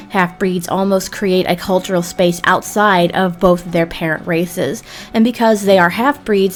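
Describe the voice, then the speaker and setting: A woman hosting a video, narrating a scripted explainer in a measured, deliberate way with emphatic pauses. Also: medium pitch. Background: background music.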